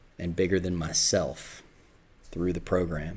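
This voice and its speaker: A man's very deep, low voice comes through on a very clean recording with a silent background. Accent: American. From US South. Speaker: podcast host in recovery. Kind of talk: podcast monologue, recovery sharing. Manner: slightly halting, self-correcting.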